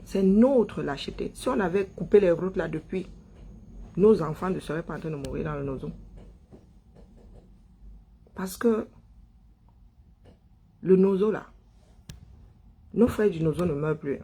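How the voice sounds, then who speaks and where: An online political commentator from Cameroon speaks in an unhurried way, pausing often, with a high, mellow and husky voice. His impassioned monologue is emphatic, built on rhetorical questions and phrases repeated for effect.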